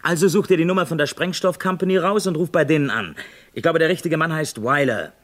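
Excitable reporter in a radio drama, breathless live commentary. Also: male voice, a little high, fast talker. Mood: urgent. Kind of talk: radio play acting.

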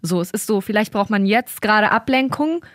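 A young woman chats on a podcast in a lively, animated way, slipping into quoted voices and sharp high peaks of emphasis. Her voice sits in a middle range for a woman. The sound is dry and close to the mic. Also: fairly quick, no room sound. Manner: pragmatic, acts out quoted voices. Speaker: podcast host. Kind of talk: casual podcast chat.

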